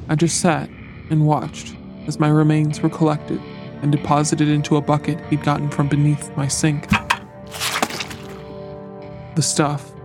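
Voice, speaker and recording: A man reading a first-person horror story aloud in a measured, dramatic storytelling manner. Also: fairly high pitch. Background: faint background music.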